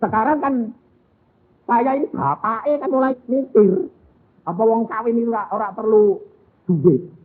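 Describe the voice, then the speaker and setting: A man's voice: very high-pitched, a little slow, long pauses. A middle-aged man, preaching a sermon as a folksy storyteller who acts out family dialogue. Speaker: pastor. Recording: lo-fi phone-like audio.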